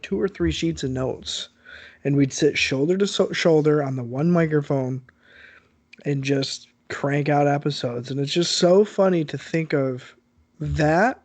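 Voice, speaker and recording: A man's voice: fairly high pitch, darkish tone, dry recording. A man co-hosting a podcast, chatting casually and animatedly while congested with a sore throat, on his own microphone over an internet call. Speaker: podcast co-host. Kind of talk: casual chat.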